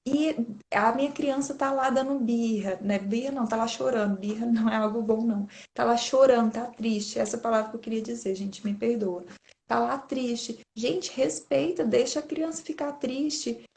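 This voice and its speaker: Woman, Brazilian Portuguese accent, thirties, somewhat high pitch, chatty parenting talk, addresses audience directly. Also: fairly even intonation, moderate pace, gravelly, a little mellow. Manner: chatty, keeps addressing listeners as "gente". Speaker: parenting speaker. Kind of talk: informal talk to an online audience.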